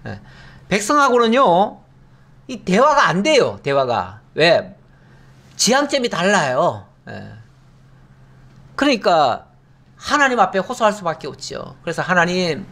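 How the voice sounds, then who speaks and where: In a lively, conversational sermon, a middle-aged man explains scripture like a pastor before his flock. His rather high voice rises and falls, and he answers his own rhetorical questions with a brisk "yes".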